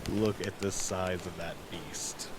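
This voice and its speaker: Man playing a very slow, low-voiced sailor. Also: steady tone, noisy background. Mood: jovial. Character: jovial male sailor, slow-talking old salt. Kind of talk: maritime audio drama acting. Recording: outdoor scene, clear rain and sea ambience.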